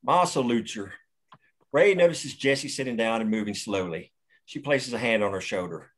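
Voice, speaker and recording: A man's voice: mid-range voice, expressive, normal speed, fairly bright tone. A man reading the stage directions of a screenplay steadily at a table read.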